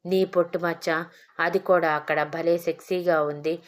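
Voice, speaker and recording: A woman's voice: on the low side, steady tone, moderate pace, natural voice. A woman voicing a bold young husband who teases and mocks his shy wife, in a storybook reading. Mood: teasing.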